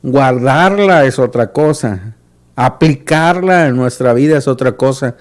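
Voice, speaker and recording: A man's voice: medium pitch, animated, a little slow. Earnest male Christian radio host. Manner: earnest, repeats words when searching.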